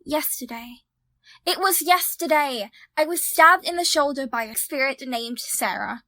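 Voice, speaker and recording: A woman's voice: high voice, measured pace, sharp tone, dry recording. A woman playing an exasperated, sceptical young woman in an audio drama, sarcastic and matter-of-fact. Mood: strained.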